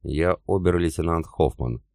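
Male narrator voicing a calculating German officer, deep dry voice, storybook reading. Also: moderate pace, darkish tone, no room sound. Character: cool calculating German intelligence officer, man.

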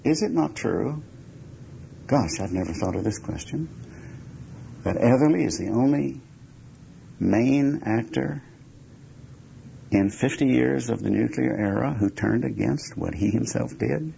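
A man giving reflective interview answers in deliberate, emphatic, measured phrases. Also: medium pitch, gravelly, warm tone. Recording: dull lo-fi recording with background noise.

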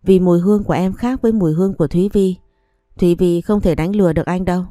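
A blunt, fed-up young husband, cold and reproachful toward his wife, as a woman narrator voices him in an audiobook. The voice sits low and mellow, close and dry. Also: fast talker, no echo, faint music behind, natural voice. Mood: tender. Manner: cold, accusing, flatly reproachful. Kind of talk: audiobook story reading.

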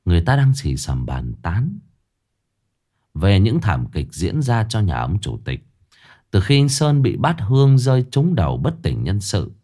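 A man's voice: fairly low pitch, dark tone. A man narrating a ghost story in a solemn, mournful storytelling voice. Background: faint music.

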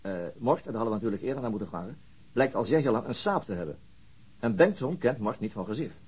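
A man's voice: medium pitch, lively intonation, fast, a little mellow, husky. An actor playing a methodical, slightly weary police detective in a radio drama, hesitating as he thinks aloud. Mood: matter-of-fact. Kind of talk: naturalistic radio drama acting.

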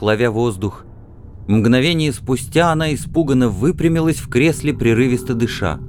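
A man narrating a literary story in a measured, expressive storytelling manner. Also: medium pitch, a little hiss or hum. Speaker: audiobook narrator.

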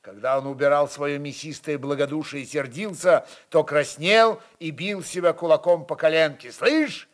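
A man's voice: on the high side, steady tone, normal speed, few pauses. A man reading literary prose as a narrator, in a dramatic storytelling style.

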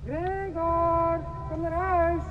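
A woman's voice: very high voice, little pitch movement, very slow, narrow, tinny audio, music in the background, full character voice. An actress playing a worried, fretful mother in a troubled household in a radio drama. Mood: calling. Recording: noisy sound behind the voice.

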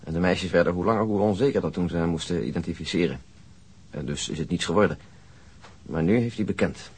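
An actor playing a matter-of-fact police investigator in a radio drama, reporting in a measured, factual way. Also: male voice, low-pitched, husky. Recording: noisy old radio drama recording.

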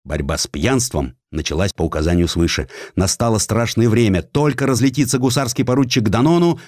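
A man narrating a historical story theatrically, with a dramatic, expressive delivery. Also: on the low side, fairly quick, no room sound, studio quality.

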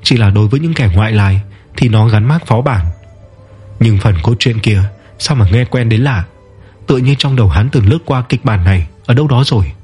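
A man narrating a fantasy story in a steady, measured way. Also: mid-range voice, husky, faint music behind.

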